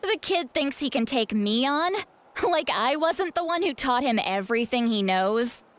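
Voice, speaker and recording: A woman's voice: high voice, animated, moderate pace. A woman voicing a confident, playful female tribal elder and mentor in a video game. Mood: smug.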